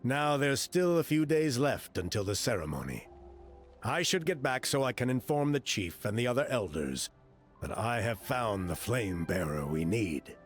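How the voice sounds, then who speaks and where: An actor playing a confident, courteous tribal official in a video game, speaking in an earnest, measured, formal way. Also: male voice, mid-range voice, very animated, faint music behind, natural voice. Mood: assured.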